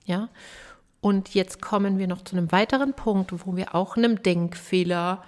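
A woman's voice: mid-range voice, normal speed. A woman voice coach hosting a podcast lesson, chatty and emphatic, checking in with the listener as she explains. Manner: chatty, addresses listener with tag questions; emphatic, lively. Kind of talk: casual spoken podcast lesson.

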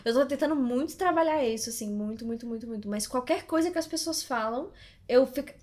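Young brazilian woman chatting, high voice, laughs a lot and plays out the convos. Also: quick pace, darkish tone. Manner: self-deprecating, laughs often, acts out quoted dialogue. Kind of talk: casual chat.

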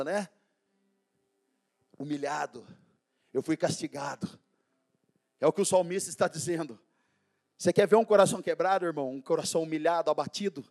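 A pastor preaching a sermon in a loud, animated, slangy way, dropping to low murmurs and laughing at his own stories.

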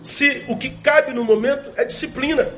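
A man delivers a sermon in a notably high voice. He presses his points with rhetorical questions and slows down to repeat key phrases. Faint music sits low behind him. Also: fairly bright tone. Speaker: pastor.

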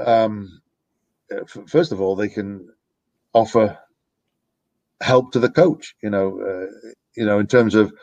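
A man's voice: lowish voice, dry recording, lo-fi sound. A middle-aged man, a youth soccer coach, talking in a casual podcast conversation, reflective and rambling with restarts. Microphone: podcast microphone.

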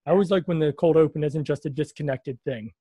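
A man's voice: on the high side, fast talker, warm tone, husky, no room sound. Sarcastic rambling male podcast host. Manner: joking, rambling, sarcastic asides. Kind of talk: casual podcast chat.

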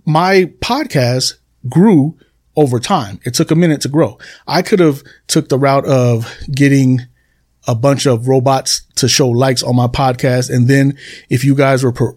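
A man's voice: medium pitch, a little mellow. A man hosting a solo podcast, talking casually to his listeners and repeating phrases for emphasis. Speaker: podcast host. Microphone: computer desk recording.

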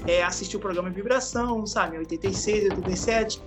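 A man's voice: high-pitched, music in the background. Laid-back Rio man in his forties. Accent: Rio de Janeiro Brazilian Portuguese. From Araruama, Rio de Janeiro state, Brazil. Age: 40s. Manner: relaxed, laughs often, drawn-out slang-filled storytelling. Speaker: podcast guest, skateboarder. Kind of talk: casual storytelling interview.

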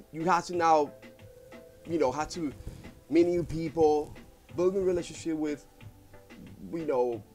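A man's voice: a little high, darkish tone. Man with faint music. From Puerto Rico. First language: Spanish. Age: 30s. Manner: rambling, heartfelt, many fillers and restarts. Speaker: guest, business owner. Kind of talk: casual interview talk. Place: studio.

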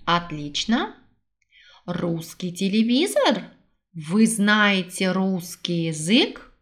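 Slow, lilting woman teacher. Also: mid-range voice, very animated. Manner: repeats phrases slowly, switching between two languages. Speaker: language teacher. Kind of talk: recorded language lesson.

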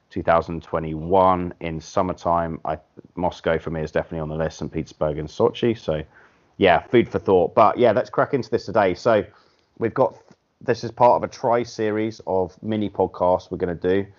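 A man hosting a podcast in casual chat, blunt and animated, swearing casually as he makes his points. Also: deep voice, normal speed. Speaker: podcast host. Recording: dull lo-fi podcast audio.

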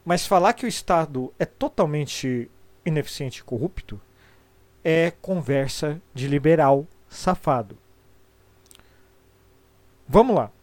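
A man's voice: on the high side, animated, slow, pauses often, darkish tone, no echo. A middle-aged Brazilian man with a congested, sniffly voice from a cold, chatting casually and opinionatedly on a live stream in informal, sweary Brazilian Portuguese speech.

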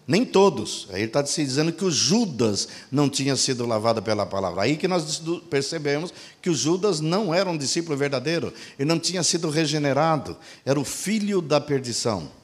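A man's voice: expressive, fairly quick, hardly any pauses. A man preaching a sermon, posing rhetorical questions to the congregation and answering them himself, and acting out quoted dialogue. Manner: acts out quoted dialogue with shifts in pitch and pace.

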